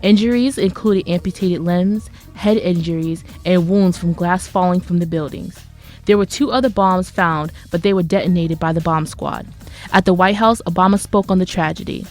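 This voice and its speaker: A woman's voice: fairly low pitch, moderate pace, darkish tone, faint music behind. A woman reading scripted news and announcements as a college radio reporter.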